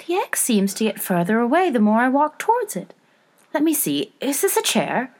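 A woman's voice: on the high side, sing-song, normal speed, darkish tone, pitched above the performer's own voice. A woman voicing a curious, polite, eager little girl in a storybook, with a wondering, childlike way of exclaiming.

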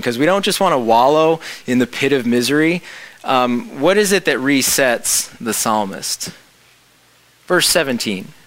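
Guy giving a sermon, bright clear voice, dry close sound, asks lots of questions. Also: mid-range voice, dry recording, poor audio. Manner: reflective teaching with rhetorical questions. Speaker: preacher.

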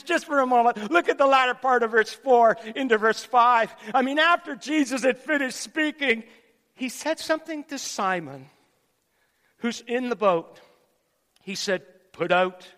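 A man preaching a sermon with animated stories in an excitable, dramatic manner, repeating phrases for emphasis. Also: high voice. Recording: echoey hall with long reverb.

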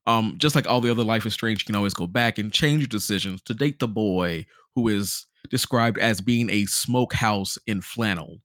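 A man co-hosting a podcast, giving a casual game review in an animated storytelling way, acting out reactions. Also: lowish voice, moderate pace, few pauses, no echo, studio quality. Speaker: podcast host.

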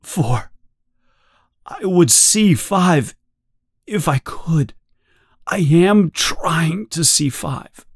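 A man voicing a tortured grown man who pleads desperately through tears, his cries breaking into shouts. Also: a little high, animated, extremely slow, pauses often, slightly rough, pitched above the performer's own voice, full character voice. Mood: strained, pleading. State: crying. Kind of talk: audiobook character voice.

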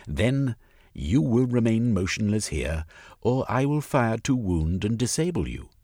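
A man's voice: fairly low pitch, very animated, measured pace, warm tone, husky, no echo, studio quality, pitched above the performer's own voice, full character voice. A man reader voicing a cold, commanding government agent who gives clipped, stern orders. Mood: threatening.

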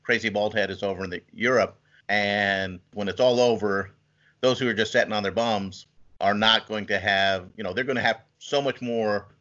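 Older male interview guest: bright, forceful tone, halting and rambling, casual, heard through a slightly dull lo-fi feed. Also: fairly low pitch, steady tone. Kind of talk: casual, hesitant interview answers.

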